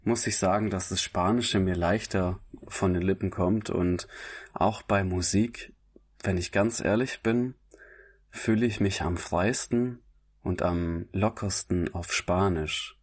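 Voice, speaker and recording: A man who sings, with a raspy, smoky voice, talking in a relaxed interview and often correcting himself with small laughs. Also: low-pitched, slow. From grew up bilingual German-Italian. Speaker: singer, interview guest.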